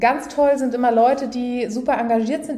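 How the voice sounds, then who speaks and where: A woman at a high pitch, a moderate pace, and fairly even intonation, with audible room echo and noticeable background noise. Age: 30s. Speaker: singer and vocal coach. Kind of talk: casual interview.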